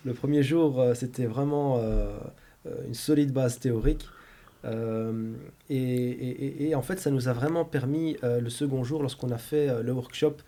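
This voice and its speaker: A man's voice: mid-range voice, steady tone, normal speed, warm tone. A man hosting a podcast, asking polite questions with many filler sounds. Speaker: podcast host. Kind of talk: interview questions.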